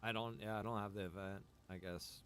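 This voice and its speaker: A man's voice: fairly low pitch, steady tone, brisk, fairly bright tone. A man who streams games, thinking aloud casually and muttering to himself in a baffled way. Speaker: game streamer. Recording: clear background noise.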